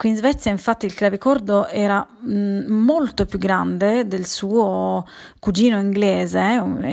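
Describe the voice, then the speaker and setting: A woman is speaking. The background is quiet. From Bari, southern Italy. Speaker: harpsichordist and keyboard musician. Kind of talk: radio interview. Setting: studio.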